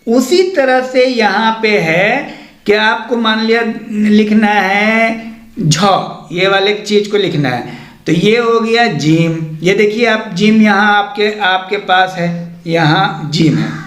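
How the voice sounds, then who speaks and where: A man's voice: high voice, takes it slowly, fairly bright tone, echoey room. A man teaching an Urdu lesson, patiently repeating letter names step by step.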